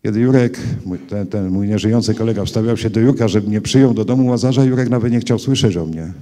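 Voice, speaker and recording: A man with a low, dark voice tells his testimony earnestly to a gathered congregation. He drops to hushed tones, then rises sharply when he grows intense. His voice rings with a long reverb from a large hall. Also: quick pace. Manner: earnest, swings from hushed to loud crying out. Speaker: person giving a testimony.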